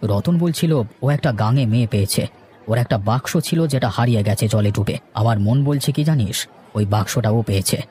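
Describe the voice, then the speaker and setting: A man playing a gruff, scolding but fair village master in a cartoon story, with an authoritative, declamatory manner. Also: medium pitch, a little fast, dark tone, close to an everyday voice. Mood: firm, commanding. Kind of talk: animated cartoon story acting. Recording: music bed under the voice.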